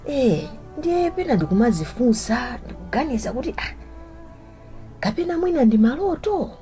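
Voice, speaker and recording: Dazed, hesitant young Malawian woman, soft-toned. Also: sits high, big pitch swings, soft background music. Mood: troubled, hesitant. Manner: hesitant, halting. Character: confused, weary young woman struggling to remember the night before. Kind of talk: vernacular radio drama acting.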